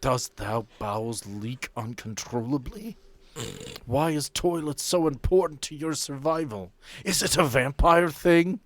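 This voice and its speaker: A man's voice: on the high side, a little slow, fairly bright tone. Man putting on an earnest, archaic old-world knight. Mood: puzzled, earnest. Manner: archaic, formal, solemnly declaiming speech. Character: earnest archaic knight from olden realm, displeased by modern life.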